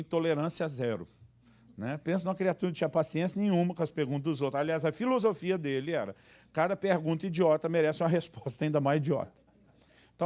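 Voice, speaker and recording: A male pastor preaching a humorous sermon, telling anecdotes and acting out the voices in them. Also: fairly high pitch. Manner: animated, acts out voices in anecdotes.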